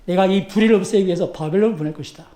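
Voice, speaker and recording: A man voicing God as a calm, authoritative figure who reassures the prophet in a low, steady voice. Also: racing, lightly acted. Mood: calm reassuring. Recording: echoey church sanctuary.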